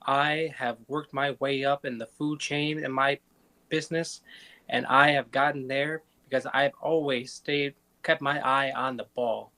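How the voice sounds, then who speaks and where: A man improvising a self-assured veteran businessman with a confident, sales-pitch delivery. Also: fairly even intonation, unhurried, pushed and bright. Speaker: improv performer.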